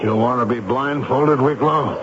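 An actor playing a stern, sardonic army major who interrogates and narrates in a formal, commanding way in a radio drama. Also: male voice, mid-range voice, measured pace, noisy background, natural voice. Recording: dull radio broadcast recording, loud music behind.

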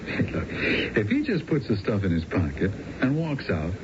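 A man's voice: lowish voice, huge pitch swings, moderate pace. An American actor playing a cocky, persuasive con man in a radio drama, in punchy phrases. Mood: cocky, scheming. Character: smooth-talking male schemer, cocky and persuasive. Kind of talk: 1970s radio drama acting. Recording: dull, noisy old radio recording.

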